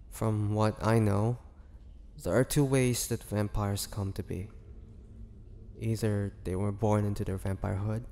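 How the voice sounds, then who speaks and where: A man playing a melancholy half-vampire, confiding his past slowly and haltingly in a dramatic audio roleplay monologue. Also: on the low side, vocal fry, dark tone. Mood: brooding, confiding. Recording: long reverberant hall, faint noise.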